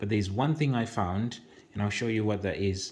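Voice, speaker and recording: The man's voice sits fairly low, his intonation fairly even. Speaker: tech reviewer. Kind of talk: tutorial.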